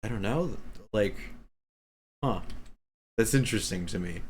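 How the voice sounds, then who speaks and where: Woman streamer, playful and laughing, animated pitch, unhurried. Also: slight background noise. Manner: giggly, playful, laughs often. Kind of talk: casual chat.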